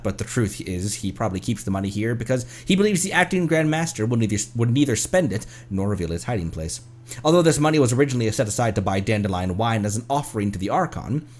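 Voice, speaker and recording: A man hosting a live game stream with casual, expressive, self-teasing commentary. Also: medium pitch.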